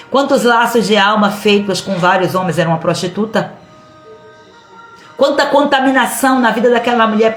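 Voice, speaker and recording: A middle-aged Brazilian woman preaches with a lively, expressive delivery in a livestream sermon. She acts out the voices of the people she quotes. The sound is roomy, with faint music underneath. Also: mid-range voice. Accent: Brazilian Portuguese. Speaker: pastor.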